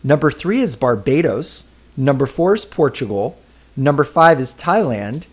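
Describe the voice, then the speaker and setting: A man in his fifties leads a relaxed podcast conversation. He talks in a chatty, easygoing way at a middle pitch. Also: unhurried, breathy edge. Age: 50s. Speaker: podcast host. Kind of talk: casual podcast chat.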